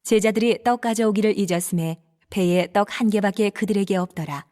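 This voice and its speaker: A woman narrating scripture in a calm, even, reverent manner. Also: medium pitch, fairly quick.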